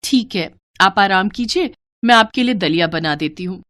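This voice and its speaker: A woman voicing a gentle, dutiful young village wife in a moral story cartoon, polite and expressive. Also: medium pitch, normal speed, lightly acted. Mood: caring.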